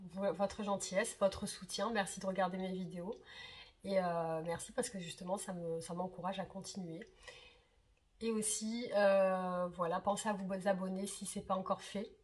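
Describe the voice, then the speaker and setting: Slightly hoarse woman, hesitant chat. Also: medium pitch. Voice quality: husky. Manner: hesitant, many fillers and repeated words. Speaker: tarot reader and channel host. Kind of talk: casual direct-to-camera chat.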